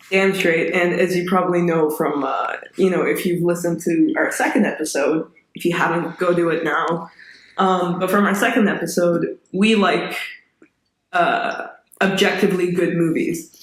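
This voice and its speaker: Fairly even intonation carries through audible room echo. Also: man, high pitch for a man, moderate pace. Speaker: podcast co-host. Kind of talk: casual chat.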